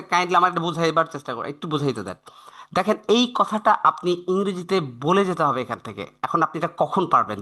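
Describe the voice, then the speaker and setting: A man with a Bangladeshi accent teaching English in an online live class over a video call, explaining step by step and slowly repeating English sentences. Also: a little high, pushed and bright.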